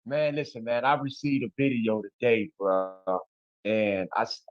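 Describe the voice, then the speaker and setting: A man's voice: medium pitch, measured pace, no room sound, highs cut off. A man from Chicago with a Chicago accent, a guest in an interview who talks bluntly and emphatically in street slang. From Chicago, USA. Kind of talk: casual interview talk.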